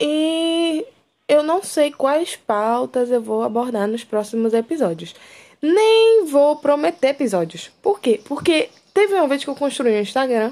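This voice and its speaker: A woman speaks fairly slowly at a high pitch, with very wide pitch swings. The recording is very clean, with a silent background. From Brazil, Pernambuco (Cabo de Santo Agostinho, near Recife). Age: 20s. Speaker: podcast host, nursing student. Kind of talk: casual monologue.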